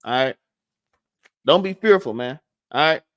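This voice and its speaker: A man with a Southern US accent leads a casual Bible class, stuttering, restarting often and adding "man" and "all right?" to his lines. His mid-range voice is expressive, a bit bright and a little slow. The studio-quality sound has no echo.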